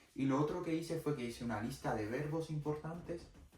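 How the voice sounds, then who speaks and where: Noticeable background noise sits under a man who speaks at a fairly quick pace with ordinary pitch variation. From Cuba. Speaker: language-learning vlogger. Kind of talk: casual vlog monologue. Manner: hesitant, with fillers and self-corrections.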